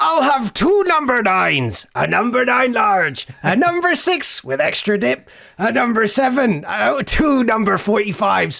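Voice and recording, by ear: A man uses a put-on character voice, gruff and extremely high-pitched. He keeps a moderate pace with hardly any pauses.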